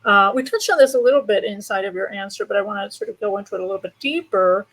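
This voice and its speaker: A woman's voice: mid-range voice, fast talker, fairly bright tone, poor audio. A woman moderating a conversation with a theater artist, speaking thoughtfully and searching for her words. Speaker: interview moderator. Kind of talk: conversational interview.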